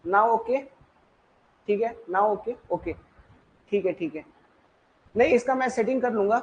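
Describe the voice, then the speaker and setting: A high-voiced man speaks at a measured pace, teaching exam prep in a live online class on his personal microphone. He keeps repeating things and checking in with the people listening. The audio is dull, with a little hiss or hum.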